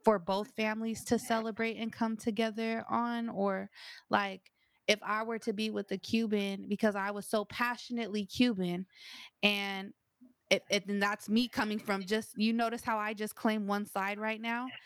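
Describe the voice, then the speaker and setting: A woman's voice: mid-range voice, level tone, moderate pace, no room sound. A young woman talking through her views in a casual podcast discussion, rambling and thinking aloud with plenty of fillers. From United States.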